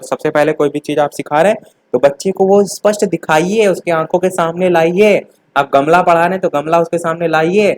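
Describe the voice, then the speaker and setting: A young male teacher with a slightly high voice works through exam questions one by one. He talks straight to his students and goes back over the key points to make them stick. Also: poor audio. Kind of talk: exam revision lesson.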